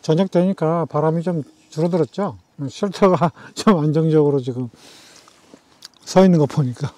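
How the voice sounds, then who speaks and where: A man chatting casually to viewers as a camping vlogger, talking things through in an unhurried, thinking-aloud way. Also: a little high, dark tone. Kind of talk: casual vlog chat.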